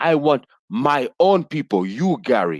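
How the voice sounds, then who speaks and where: Very slowly, a man with an East African accent talks at a fairly high pitch, the sound dry and close with no echo. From Kenya, East Africa. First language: not English. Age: 30s. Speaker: panelist on a live stream. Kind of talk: casual heated chat. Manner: emphatic.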